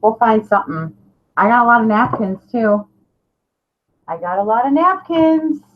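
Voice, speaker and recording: Here the middle-aged woman sounds a little high and animated, speaking at normal speed. She chats ramblingly with her viewers as a craft vlogger, casual, self-mocking and a touch salty. Clear background noise runs under a dull, lo-fi recording.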